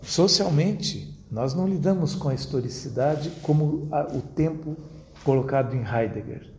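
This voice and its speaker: A man giving an academic lecture to an audience at a university, speaking in a measured, rhetorical way and addressing his listeners directly. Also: a little high, a little mellow, dull audio. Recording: roomy echo, faint background noise.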